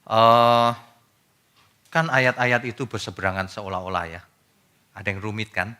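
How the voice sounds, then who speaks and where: Forceful, emphatic male pastor preaching. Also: level tone, a little slow. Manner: swings between loud emphatic bursts and quiet low asides; casual colloquial preaching, often addressing listeners directly. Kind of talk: sermon.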